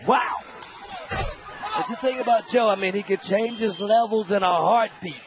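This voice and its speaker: A man's voice: high voice, measured pace, music in the background. A man doing informal colour commentary on live wrestling, with punchy, appreciative interjections. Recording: clear arena noise behind.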